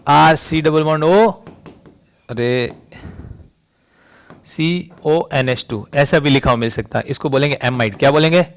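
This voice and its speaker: Higher-pitched male chemistry teacher. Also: measured pace, long pauses. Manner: rhetorical questions, frequent "समझ रही बात?". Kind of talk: classroom lecture.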